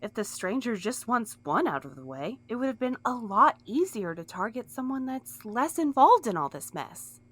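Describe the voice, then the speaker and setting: A woman's voice: on the high side, big pitch swings, moderate pace, few pauses, a bit bright. An actress in an audio drama playing an earnest, anxious, guilt-ridden young woman who speaks with pleading emotion. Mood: puzzled, urgent.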